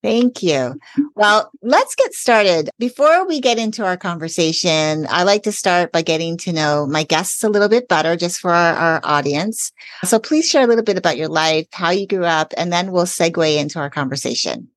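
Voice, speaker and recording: A woman's voice: fairly low pitch, expressive, normal speed, no echo. A woman hosting a podcast interview, speaking in an upbeat, welcoming way as a self-care coach.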